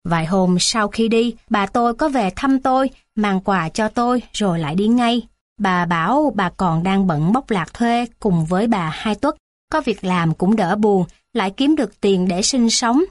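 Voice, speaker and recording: A woman narrating a children's story in a steady, plain reading voice. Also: medium pitch, a little slow, no room sound, clean studio sound.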